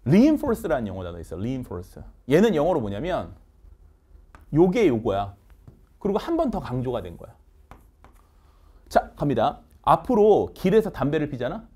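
A middle-aged man teaching English vocabulary in an online lecture, energetic and coaxing, firing quick questions at students. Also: mid-range voice, slightly rough.

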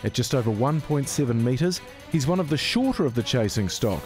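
A man's voice: medium pitch, lively intonation, fairly quick, darkish tone, faint music behind. A man, presenting a TV magazine show in an upbeat, scripted way. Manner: upbeat scripted link reading. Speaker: TV host.

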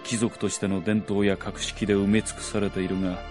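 An actor playing a gentle, melancholy nobleman in a Japanese radio drama, soft-spoken, brooding and measured. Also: on the low side, level tone, close to an everyday voice. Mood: sorrowful, brooding. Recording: music behind the voice.

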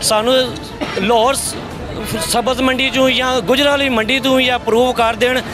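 A man's voice: very high-pitched, steady tone, measured pace, music in the background, crowd noise. A middle-aged man, a market stall vendor, complaining and explaining into a reporter's handheld mic outdoors. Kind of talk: street interview answers. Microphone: handheld mic held by reporter.

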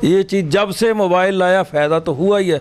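A man's voice: high-pitched, moderate pace, a little hiss or hum. A middle-aged man from Punjab, a dentist giving earnest, plain-spoken advice in an interview. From Punjab, India. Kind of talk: interview answers.

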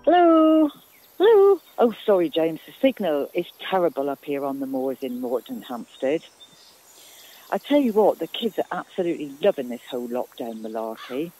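A woman's voice: deep voice, very animated, moderate pace, mellow. A woman playing an effusive, distracted British mum on the phone in a radio drama. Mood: cheery. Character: harried, cheery young mum at home. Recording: noisy outdoor phone call.

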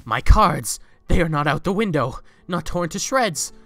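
A man's voice: fairly high pitch, animated, unhurried, a bit bright. A man playing a giddy, generous reformed rich man in an audio drama, exclaiming in formal old-fashioned phrases. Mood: elated. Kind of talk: fan audio drama acting.

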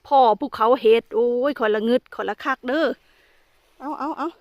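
Woman, Isan Thai accent, high voice, dry close sound, chatty and exclaiming, outdoor vlog. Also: moderate pace, dry recording, dull audio. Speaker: vlogger. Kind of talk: casual vlog narration. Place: outdoors in a forest.

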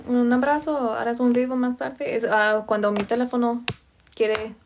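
A woman's voice: on the high side, steady tone, measured pace. A young woman from Virginia hosting a casual phone livestream at home, reading out and answering viewers' comments, greeting them by name. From United States, Virginia. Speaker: livestream host. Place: indoors, home room. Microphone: phone held close.

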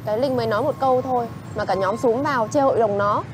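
A woman's voice: fairly high pitch, quick pace, background noise, lightly acted. An actress with a Northern Vietnamese accent playing an exasperated, reproachful young girlfriend in a TV drama. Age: 20s. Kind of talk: screen drama dialogue.

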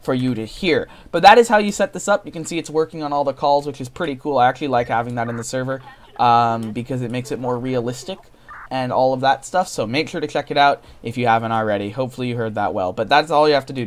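A man giving a casual software tutorial as host, recorded as a voice-over at his computer. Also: medium pitch, fast talker.

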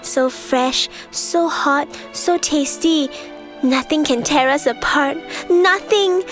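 Lovestruck, dreamy female romantic for a commercial, higher register actress playing it. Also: slow pace, faint music behind. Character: dreamy woman smitten with her breakfast.

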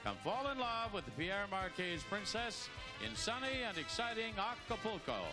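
A man with an American accent announces game show prizes in a booming, excited style. His voice sits high and moves in big, animated swoops, stressing the selling words. Loud music plays underneath. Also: normal speed. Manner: excited, emphatic salesmanship.

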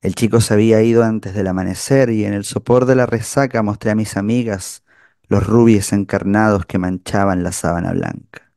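A man acting a world-weary, hard-drinking gay writer telling stories intimately in a radio play, with a gravelly voice. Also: fairly low pitch, fairly even intonation, normal speed, warm tone, dry recording, clean studio sound, natural voice. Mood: wistful, confiding. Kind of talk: radio theatre storytelling.

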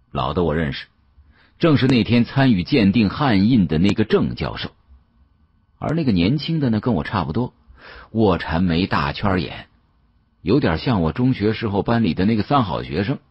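Very husky, low-voiced male storyteller. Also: dry recording, lo-fi sound. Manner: colloquial, expressive. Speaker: audiobook narrator. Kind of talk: dramatic first-person storytelling.

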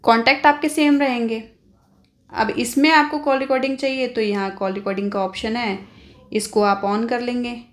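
A woman's voice: a little high, fairly even intonation, normal speed. An Indian woman hosting an informal phone tutorial, explaining step by step and often adding little check-in tags. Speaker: tech tutorial host.

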